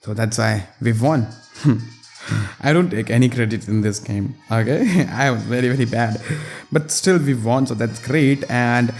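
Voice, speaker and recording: A man's voice: mid-range voice, measured pace, a little mellow, soft background music. A man giving casual gameplay commentary as a tech reviewer, chatty and self-deprecating with viewers.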